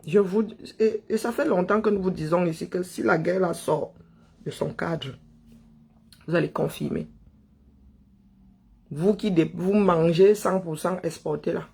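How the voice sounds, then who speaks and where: In a high-pitched, gravelly voice with a darkish tone and breathy edge, a man from Cameroon speaks at a measured pace, pausing often. He's an online political commentator giving an impassioned monologue, emphatic and heavy with rhetorical questions and repeated phrases.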